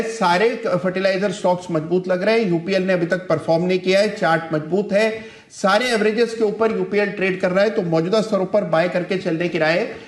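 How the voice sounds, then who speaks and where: High-pitched guy giving stock tips, echoey room, upbeat. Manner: upbeat, addresses host by name often. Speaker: market analyst. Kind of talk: live business TV discussion. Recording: roomy echo.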